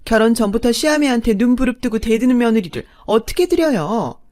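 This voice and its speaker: A woman's voice: a little high, expressive, normal speed, darkish tone, pitched above the performer's own voice, lightly acted. A woman voicing a scornful middle-aged mistress who talks down to everyone in a condescending, sneering way. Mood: indignant.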